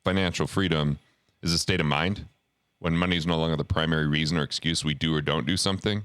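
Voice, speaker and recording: A man's voice: extremely low pitch, fairly even intonation, fast talker, a bit bright, clear, resonant tone, dry recording. A man hosting a conversational interview, reflective and often finishing the guest's sentences. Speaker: host.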